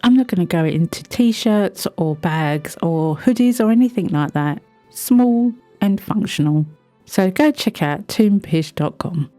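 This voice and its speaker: A woman with a cold, sounding croaky, chatting her way through a craft tutorial voice-over with friendly little asides. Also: fairly low pitch, lively intonation, measured pace, dark tone, soft background music. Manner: chatty, self-deprecating asides. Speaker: resin craft video host.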